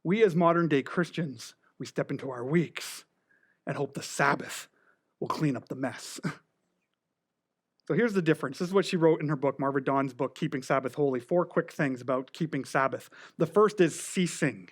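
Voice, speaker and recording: A middle-aged man preaching a sermon with a slight lisp and a voice pitched a bit high. He swings between loud, lively stretches and near-whispers, with a joking, self-deprecating touch. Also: moderate pace, slightly rough. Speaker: pastor.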